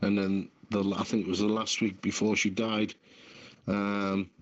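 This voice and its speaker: A man's voice: lowish voice, flat delivery, measured pace. A man casually sharing a personal recollection in a group conversation over lo-fi audio.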